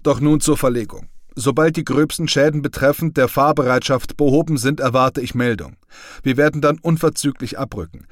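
A man's voice: medium pitch, brisk, dry recording, studio quality, voice pushed up, natural voice. A man reading the part of a stern male army company commander giving formal, clipped orders. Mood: commanding.

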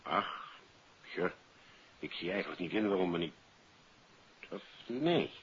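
A muffled, hissing radio recording of a polite, obliging official. He is low-pitched yet very animated in his rise and fall, deliberate in a vintage drama style. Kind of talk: 1950s radio detective drama acting.

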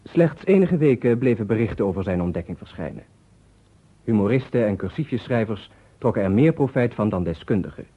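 An actor playing a sober radio presenter in a radio play, narrating a scripted report in a measured, formal manner. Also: male voice, fairly low pitch, animated, husky. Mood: sober, matter-of-fact. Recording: narrow, phone-like old radio recording.

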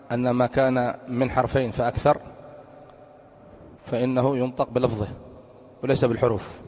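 A male religious teacher giving an Arabic grammar lesson, often quizzing his listeners with quick questions. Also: mid-range voice, darkish tone. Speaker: Islamic teacher. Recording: long echoing reverb.

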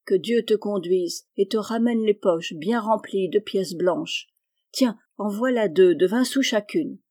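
A weary country aunt who grumbles and scolds about a stubborn nephew, as a woman reads her lines in an audiobook. The voice is mid-pitched and warm, with a mellow, relaxed tone. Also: unhurried. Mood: tender farewell. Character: scolding exasperated peasant aunt. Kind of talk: audiobook reading.

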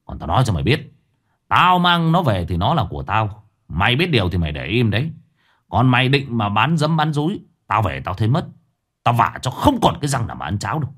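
A crude, bullying husband in a spoken ghost story, barking coarse scoldings and threats, as the narrator acts him out. He talks fast and loud with wide pitch swings, and his voice sits low under the bluster. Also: sing-song, breathy edge, full character voice. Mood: scornful. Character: crude, violent village husband, scornful.

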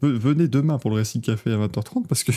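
Fast-talking, mellow-voiced man host. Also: medium pitch. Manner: joking, rapid, loose. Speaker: podcast host. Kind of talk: casual chat, wrapping up the show.

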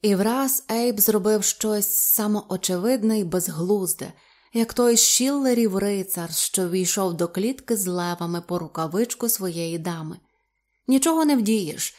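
Woman narrating a novel, mellow tone. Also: medium pitch. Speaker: audiobook narrator. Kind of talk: literary audiobook narration.

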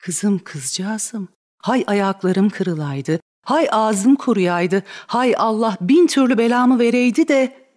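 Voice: medium pitch, expressive, measured pace, darkish tone. A reader voicing a fretful, devoted older wet nurse in a dramatic reading of a stage play, bewildered and fussing. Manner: bewildered and fussing, wringing out laments.

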